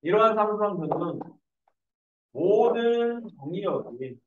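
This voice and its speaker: A man's voice: high-pitched, slow, a little hiss or hum. Joking male math teacher in echoey room. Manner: animated, joking storyteller. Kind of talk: lecture mixed with casual anecdotes. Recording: echoey room, distant dull mic.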